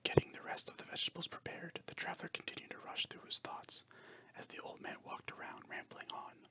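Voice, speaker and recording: Someone narrating a story in a breathy, unvoiced ASMR whisper, hushed and scripted. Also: fairly quick.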